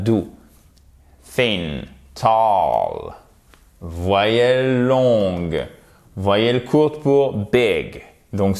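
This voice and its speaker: A man giving a recorded lesson over slides, emphatic, slowing down to model English words and their stress. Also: lowish voice, darkish tone. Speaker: English teacher.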